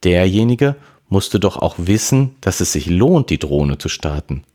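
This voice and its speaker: Man reading teen boy, level-headed, thoughtful, expressive. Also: deep voice, unhurried, heavily acted. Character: calm, thoughtful teenage boy, Charlie.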